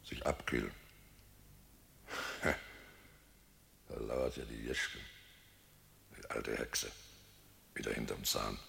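An actor playing a guilt-ridden, wily village innkeeper, nervous and falsely jovial, in a radio play, with a gravelly, husky voice. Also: male voice, extremely low pitch, fairly even intonation, slow pace, pauses often, sharp tone, heavily acted. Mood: furtive, tense. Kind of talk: German radio play acting.

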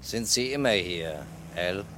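Low-voiced, methodical police detective. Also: male voice, expressive, slow pace, fairly bright tone, a little hiss or hum, heavily acted. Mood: patient. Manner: formal, insistent, methodical. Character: probing, persistent male police detective questioning witnesses. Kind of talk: German radio crime play dialogue.

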